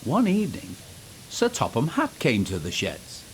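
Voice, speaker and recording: A man narrating a scripted children's story in an animated, expressive manner. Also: medium pitch, moderate pace, a little hiss or hum.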